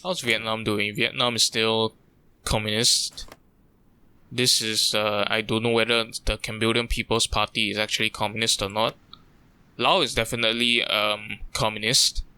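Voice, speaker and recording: A man's voice: fairly low pitch, level tone, normal speed, pushed and bright, smooth. A young man from Singapore, thinking aloud in loose, chatty let's-play commentary. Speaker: gaming YouTuber.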